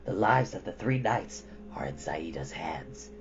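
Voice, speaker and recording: A grave eagle-beaked djinn acted by a man speaks low and softly, close to a whisper at times. The manner is solemn and respectful, and the sound slightly dull. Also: very animated, unhurried, slight background noise, full character voice. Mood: grave warning. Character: grave, deferential blue djinn with eagle beak.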